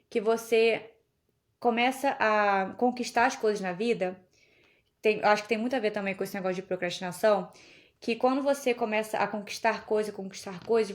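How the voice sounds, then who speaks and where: A young woman from Brazil chatting casually as a podcast guest, telling stories and laughing often. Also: medium pitch. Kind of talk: casual conversation.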